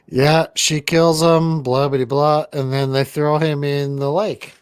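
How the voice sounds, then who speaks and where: A man co-hosting a casual movie-review chat, rambling and deadpan, with casual swearing. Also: a little high, takes it slowly, smooth, no echo. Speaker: podcast co-host.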